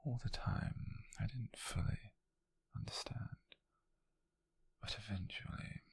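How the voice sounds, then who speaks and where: A British man playing a gentle, teasing witch mentor in an ASMR roleplay, speaking in a breathy, hushed half-whisper with soothing, intimate phrasing. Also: fairly low pitch, heavily acted. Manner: soothing, intimate, unhurried, softly formal phrasing. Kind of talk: ASMR roleplay addressed to the listener.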